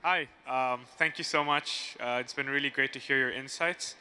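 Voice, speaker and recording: A man's voice: medium pitch, fairly even intonation, moderate pace, sharp tone, clean tone. A young man from Bangladesh, an audience member putting a polite, earnest question to a panel.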